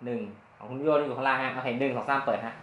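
A man hosting a casual phone comparison in a phone shop, chatty and animated as he hypes results. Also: medium pitch, very fast. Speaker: tech review host. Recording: echoey room with faint music.

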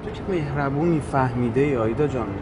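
An actor playing a husband in a film drama, coaxing and affectionate as he tries to calm his wife. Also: mid-range voice, close to an everyday voice. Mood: placating. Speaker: husband of the young woman. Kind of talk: Iranian film drama acting. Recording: film soundtrack with clear background noise.

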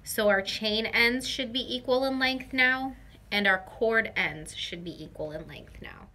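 In this step-by-step craft demonstration, a young woman speaks in a fairly high, bright voice with a forceful tone. She takes her time, explaining every step with care and repeating important words to stress them.

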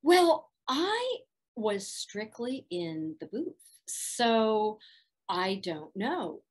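A middle-aged woman with a soft, soothing voice, chatting as a guest in a video-call interview from a room at home, laughing often. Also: a little high, sing-song, very slow, slightly rough. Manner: warm, laughs often, thoughtful. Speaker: voice actress guest.

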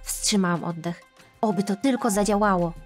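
Female narrator for a first-person animated story, expressive and dramatic, middle pitch, faint music bed. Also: normal speed. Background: faint background music.

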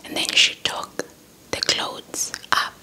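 Young woman whispering an asmr story, super slow, really crisp bright sound, close mic. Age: young adult. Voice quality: breathy unvoiced whisper. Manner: slow, deliberate, repeats words softly. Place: indoors in front of a dark cloth backdrop. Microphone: handheld small mic with fluffy windscreen, held close.

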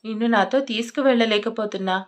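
A woman's voice: a little high, fast, lightly acted. A woman voicing a busy young husband who makes evasive excuses to his wife. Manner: evasive, apologetic.

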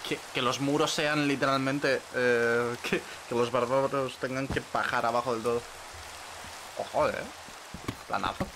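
A man's voice: mid-range voice, steady tone, a little slow, background noise. Young male streamer, mid-range voice, laid-back chat, light clicking behind. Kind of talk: casual gameplay livestream chat.

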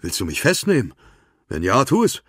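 Narrator doing cornered man, defensive, sarcastic, raised pitch, dry close sound. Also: wildly swooping pitch, moderate pace, fairly bright tone, husky, no echo, heavily acted.

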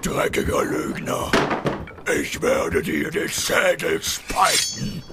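A male actor playing a belligerent, money-grubbing pirate brawler with a rough voice and blustering threats in a comic radio play. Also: on the high side, big pitch swings, slow, heavy background noise, exaggerated voice. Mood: furious. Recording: music bed under the voice.

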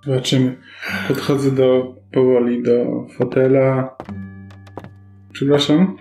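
Even, mellow man playing a tabletop game. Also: mid-range voice, slow, creaky. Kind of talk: in-game chat, describing own character's actions. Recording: roomy echo, faint music behind. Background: faint background music.

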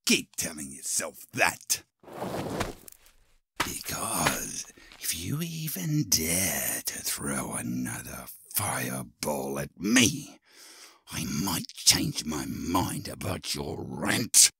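Gloating old undead grave robber, harsh rasp, slow theatrical drawl, audio drama villain. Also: male voice, rumbling low, sing-song, pushed and bright, no room sound, heavily acted. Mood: smugly threatening. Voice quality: raspy.

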